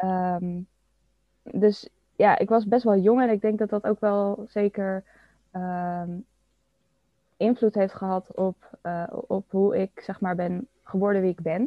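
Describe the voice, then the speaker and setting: Pausing long and often, a woman at medium pitch speaks at a very slow pace with fairly even intonation. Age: 20s. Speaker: podcast guest sharing personal experience. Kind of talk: personal testimony in interview. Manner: hesitant, many fillers.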